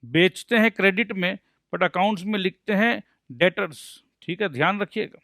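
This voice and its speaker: A man with a high, bright voice gives a lively accountancy lecture, recorded dry and close. He jokes his way through each point and answers his own questions as if a student had asked them. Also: normal speed, vocal fry, no echo. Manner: playful, mixes Hindi and English, jokes to explain. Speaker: accountancy teacher.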